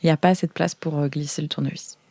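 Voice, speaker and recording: A woman's voice: sits low, steady tone, rapid-fire, dark tone, no echo. A woman speaking conversationally as game master of an improvised tabletop role-playing session, narrating and putting questions to the players.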